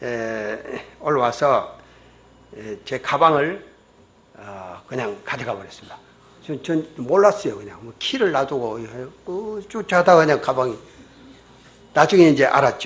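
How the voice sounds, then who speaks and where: Fairly slow with long, frequent pauses, a man speaks at a fairly high pitch, with very wide pitch swings and big swings in loudness. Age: 60s. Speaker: missionary preacher. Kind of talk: sermon.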